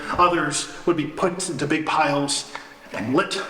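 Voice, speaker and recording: A man speaks over noticeable background noise. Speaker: actor. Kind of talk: one-man stage show, storytelling. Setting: live audience.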